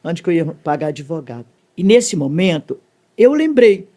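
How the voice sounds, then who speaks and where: A middle-aged woman, telling an emotional faith testimony as a guest, animated and wide-ranging in pitch, often tagging "né". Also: normal speed. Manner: animated, swings widely in pitch, leans on "né" tag questions.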